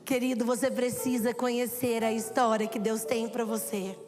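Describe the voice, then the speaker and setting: A woman's voice: fairly high pitch, little pitch movement, moderate pace. A woman preacher giving a sermon, telling stories and acting out the dialogue with animation. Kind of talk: sermon with storytelling. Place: church hall. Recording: long hall reverb with soft background music.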